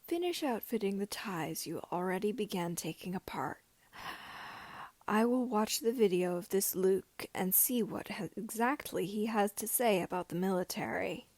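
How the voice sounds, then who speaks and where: A commanding sci-fi warlord, voiced by a woman narrator gives orders in formal, measured words. The delivery is authoritative, in a dry audiobook recording. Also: medium pitch, expressive, a little mellow, dry recording. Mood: curt command. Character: commanding male sci-fi military lord.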